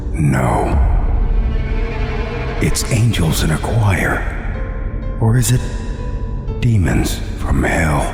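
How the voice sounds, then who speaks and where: An actor playing an ominous, mysterious narrator, speaking with theatrical menace in a horror audio drama intro. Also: male voice, deep voice, heavily acted. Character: ominous, mysterious male narrator welcoming the lost. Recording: long echoing reverb over music.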